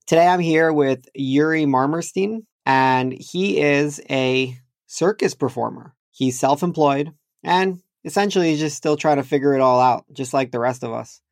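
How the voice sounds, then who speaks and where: Guy hosting a podcast, kinda gravelly voice, dry close sound, laid back. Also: fairly high pitch, moderate pace, no echo. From Chechnya. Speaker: podcast host. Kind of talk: casual interview chat.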